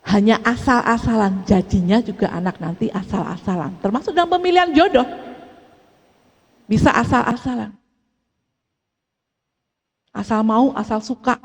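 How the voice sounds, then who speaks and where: A middle-aged woman preaching a sermon, telling family stories with lively acted-out dialogue. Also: fairly high pitch, normal speed, long pauses, breathy edge. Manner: animated storytelling, acts out family dialogue. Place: church hall. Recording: echoey church hall.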